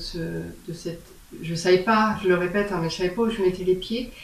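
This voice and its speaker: A woman with a fairly low voice speaks at a moderate pace and fairly even intonation over noticeable background noise. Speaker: storyteller and author. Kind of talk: interview answer. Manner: hesitant, reflective.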